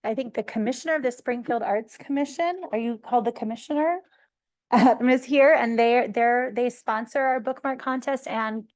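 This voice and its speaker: A woman's voice: on the high side, normal speed, darkish tone, no echo. A woman, a youth services librarian presenting at a council meeting, muffled behind a face mask and speaking informally with self-corrections. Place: council chambers.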